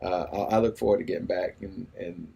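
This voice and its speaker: A man's voice: deep voice, fairly even intonation, brisk, vocal fry, mellow, husky. A man in his forties talking casually in an interview, easygoing and rambling, often saying "you know what I mean.". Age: 40s. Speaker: radio personality and new father.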